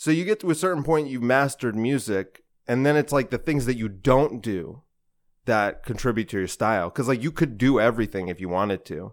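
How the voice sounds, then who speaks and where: A man talks at a fairly quick pace in a normal speaking voice, at a medium pitch with lively intonation. The recording is very clean, with a silent background. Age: 20s. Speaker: stand-up comedian. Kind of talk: casual chat.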